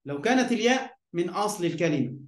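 A man with an Egyptian accent gives an online grammar lesson in a fairly high voice. He keeps asking his class questions, fills in the answers himself, and checks they follow. His voice rings in an echoey room. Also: expressive, fast talker. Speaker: Arabic grammar teacher.

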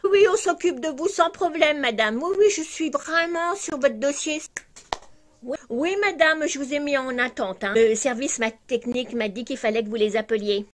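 A woman's voice: high voice, moderate pace, pitched above the performer's own voice, lightly acted. A woman mimicking an overly polite female phone support agent who sounds scripted and dismissive. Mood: sugary high.

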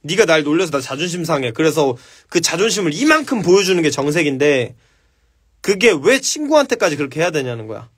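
A man's voice: a little high, very animated, brisk, a bit bright, husky. Blunt, profane man giving advice. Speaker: livestream host answering viewer questions. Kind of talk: casual advice chat.

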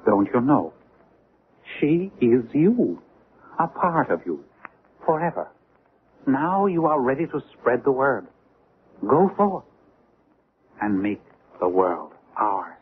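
A zealous male alien leader, grandiose and commanding. His pitch moves in lively sweeps. The 1970s radio drama recording is thin and phone-like with light noise. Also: takes it slowly, long pauses. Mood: triumphant. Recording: tinny, noisy old radio drama recording.

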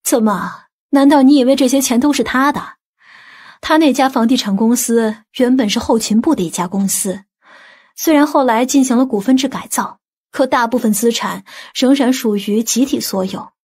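A woman's voice: on the high side, moderate pace, a little mellow, husky. A woman acting a confident, well-connected aunt in an audiobook drama, speaking in an assured, matter-of-fact way.

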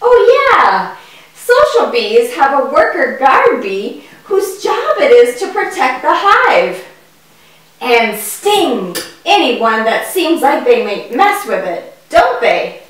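Echoey, high-pitched excitable little boy puppet voiced by a woman. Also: takes it slowly, exaggerated voice. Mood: curious. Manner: exaggerated, addressing children directly. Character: excitable, fearful young boy puppet afraid of bees. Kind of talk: children's puppet show dialogue. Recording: echoey hall, far from the mic.

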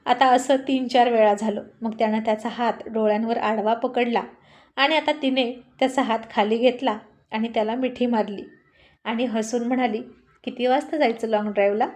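A woman telling a family story aloud in a steady, expressive reading voice. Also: on the high side, normal speed. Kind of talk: story narration.

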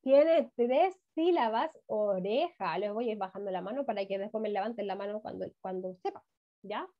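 Teaching a first-grade reading class via video call, a Chilean woman speaks at a medium pitch in an expressive way. She's warm and encouraging, drawing words out and often saying "muy bien", though the audio is dull and lo-fi.

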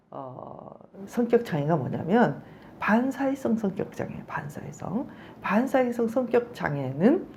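Middle-aged woman professor lecturing on psychology in a conversational way; her pitch moves a lot, and she acts out angry examples. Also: gravelly, darkish tone, slight background noise. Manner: conversational, checks in with listeners often.

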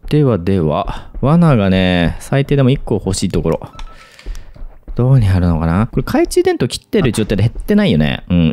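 A man's voice: lowish voice, a little mellow. A man commenting on a horror game as he plays, muttering to himself and breaking into sudden yelps. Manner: jumpy, talks to himself, sudden yelps and laughs. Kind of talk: let's play commentary.

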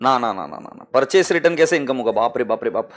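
A man's voice: mid-range voice, lively intonation, quick pace. A man with an Indian accent teaching accounting to a live class, mixing Hindi and English and calling students "beta" fondly.

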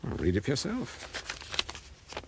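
An actor playing an urbane, observant gentleman detective in a radio drama. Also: mid-range voice, wildly swooping pitch, slow, full character voice, rough recording. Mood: confiding. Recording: loud train noise behind.

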